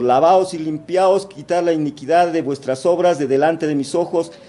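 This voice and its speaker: Moderate-paced speech with ordinary pitch variation and noticeable background noise. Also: man. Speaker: preacher. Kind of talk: sermon.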